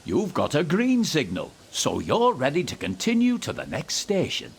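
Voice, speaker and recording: Encouraging, very animated tutorial narrator. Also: male voice, on the high side, normal speed, slight background noise, exaggerated voice. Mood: instructive, calm. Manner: clear, instructive, encouraging. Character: encouraging male tutorial narrator guiding young train drivers. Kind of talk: scripted game tutorial narration.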